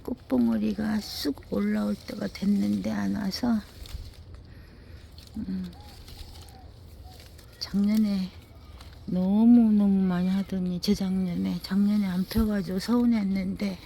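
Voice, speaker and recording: A woman's voice: mid-range voice, fairly even intonation, slow, gravelly, long pauses, warm tone, slight background noise. A woman giving a casual commentary while showing her indoor winter garden, sighing over her plants and now and then talking to them and her dog. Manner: talks to plants and scolds her dog, frequent sighing exclamations. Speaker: gardening vlogger.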